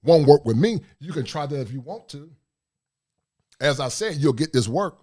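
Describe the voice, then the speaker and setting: A middle-aged man with a deep voice, hosting a livestream talk show, speaking forcefully and reading shout-outs from the chat. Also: lively intonation, normal speed. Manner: forceful, preachy, reads chat aloud. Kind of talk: casual livestream monologue.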